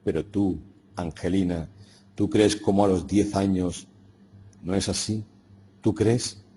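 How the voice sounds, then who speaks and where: A gentle, weary old village priest, as a man reads him aloud in a storybook, with a very low voice. He speaks in hushed, sorrowful tones, dark and mellow in timbre. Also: fairly even intonation, unhurried, breathy edge, heavily acted. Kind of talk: audiobook reading.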